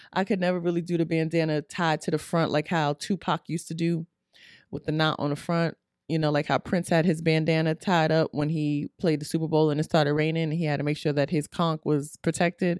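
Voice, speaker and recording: The voice moves at a fairly quick pace in a dry, close sound with no echo on a very clean recording with a silent background. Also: woman, very deep, low pitch for a woman. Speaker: podcast host and comedian. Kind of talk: casual solo monologue. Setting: home, sitting on couch. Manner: animated.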